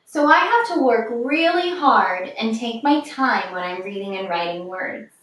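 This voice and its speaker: Reading a children's picture book aloud, a woman uses a fairly high voice with measured, expressive delivery and a lively, swinging intonation. She sounds set back from the microphone in a very echoey room.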